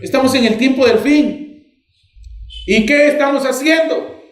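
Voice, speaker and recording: A man with a Peruvian accent preaching a sermon as pastor, lively and acting out little dialogues as he talks. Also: extremely high pitch, measured pace. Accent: Peruvian Spanish. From Peru. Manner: animated, acts out dialogues with shifting voices. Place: church sanctuary. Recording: echoey church hall.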